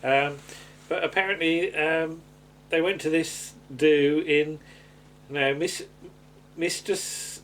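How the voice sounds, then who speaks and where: A man's voice: a little high, steady tone, slow pace, a bit bright, a little hiss or hum. Man chatting through an episode recap. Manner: hesitant, conversational, seeks agreement with tag questions. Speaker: podcast co-host. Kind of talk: casual episode recap chat.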